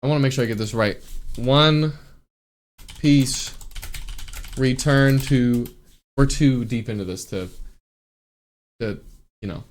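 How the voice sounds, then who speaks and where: A man's voice: medium pitch, slow pace, long pauses. A man talking about a show he loves, gushing and rambling with lots of fillers, restarts and trailing thoughts. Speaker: YouTuber ranking anime arcs. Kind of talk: casual excited commentary.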